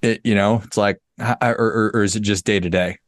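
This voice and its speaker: A man's voice: fairly low pitch, steady tone, brisk, dry recording, studio quality. A man hosting a podcast interview, asking thoughtful questions with stammered starts. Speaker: podcast host. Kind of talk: casual interview.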